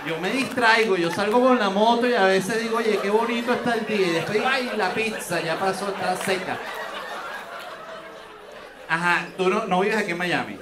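A man's voice: high voice, recorded from a distance. A man in his forties with a Venezuelan accent doing crowd-work stand-up comedy, teasing audience members in playful banter. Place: theater stage. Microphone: handheld microphone. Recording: roomy stage sound, audience noise.

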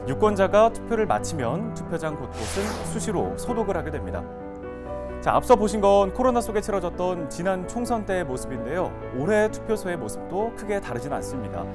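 A man presenting a local news briefing in a lively announcer's delivery. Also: high voice. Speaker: news anchor. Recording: music bed behind voice.

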